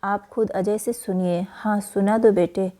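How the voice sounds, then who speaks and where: A woman's voice: mid-range voice, steady tone, a little slow, background noise, lightly acted. A woman reading the part of a heavy-voiced, kindly male police inspector in a school play. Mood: hearty. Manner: heavy voice, hearty praise.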